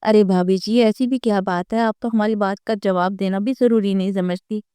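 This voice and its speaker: A woman voicing a leering, taunting young brother-in-law in a storybook reading, with a smooth voice. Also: mid-range voice, steady tone, mellow, no room sound, clean studio sound, natural voice. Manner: oily, taunting. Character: leering 25-year-old man, sleazy brother-in-law.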